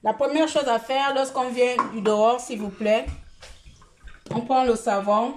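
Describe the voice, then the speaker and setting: On a casual phone live stream, a Gabonese woman talks at length, scolding her viewers in a repetitive, chatty way that mixes sermon and conversation. Her fairly high voice holds a steady tone at a slightly slow pace. Noise can be heard in the background.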